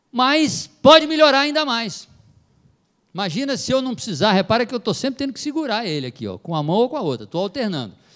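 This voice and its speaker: A man at an extremely high pitch, very fast pace and very wide pitch swings, over a quiet background. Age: 50s. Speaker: professor and government official; professor. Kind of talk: lecture. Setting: stage with audience. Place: hall.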